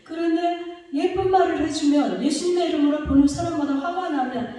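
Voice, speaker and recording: A woman's voice: high voice, brisk, dark tone, far from the mic. Woman pastor preaching in an echoey hall. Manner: asks the congregation rhetorical questions. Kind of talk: sermon.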